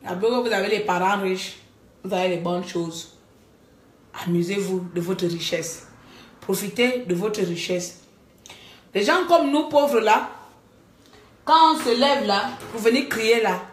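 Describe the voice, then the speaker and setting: A woman talking to her viewers in a live-stream monologue, animated, scolding and joking by turns. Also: mid-range voice. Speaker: livestreamer. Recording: echoey room.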